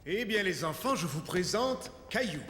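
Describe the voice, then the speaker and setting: A man's voice: sits high, lively intonation, normal speed, big-room sound, very noisy. A man voicing a friendly, encouraging children's gym teacher in a cartoon, giving step-by-step instructions. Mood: instructive.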